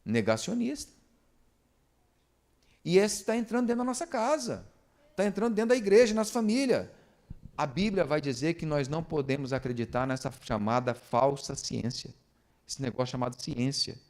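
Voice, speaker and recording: Animated pastor preaching, higher voice. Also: male voice, moderate pace. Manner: animated preaching, asks the congregation rhetorical questions. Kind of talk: sermon. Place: church service.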